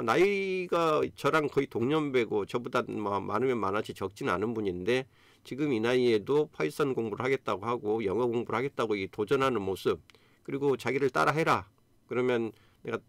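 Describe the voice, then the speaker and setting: A man's voice: medium pitch, expressive, fairly quick, vocal fry, dry recording. Earnest Korean man in his fifties. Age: 50s. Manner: earnest, encouraging, many fillers. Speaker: YouTube host. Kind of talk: casual live-stream talk.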